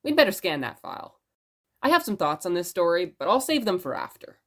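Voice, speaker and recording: A woman playing a presenter who reads stories aloud in expressive narration. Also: on the low side, a little fast, a little hiss or hum. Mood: brisk. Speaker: narrator and host of the show.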